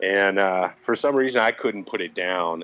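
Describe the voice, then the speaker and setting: A man with an American accent speaks at a moderate pace in an ordinary speaking voice. His pitch is fairly low, with ordinary variation. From Texas (West Texas, North Dallas). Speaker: small business owner. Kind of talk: interview. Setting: in the showroom.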